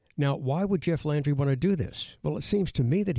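Lively intonation marks this man's speech. His tone is dark and mellow, and somewhat breathy. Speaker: radio talk show host. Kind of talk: call-in talk radio. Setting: studio. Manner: halting, repeats words.

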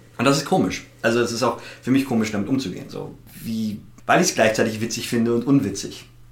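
A man's medium-pitched voice at a very fast pace, with ordinary pitch variation and audible room echo. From Germany, Erlangen (Franconia). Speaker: podcast host. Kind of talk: casual chat.

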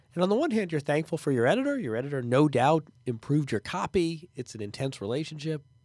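On a very clean recording with a silent background, a man talks at a very fast pace with hardly any pauses, his fairly high voice full of lively intonation. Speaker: podcast host. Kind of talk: casual interview chat. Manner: quick, joking.

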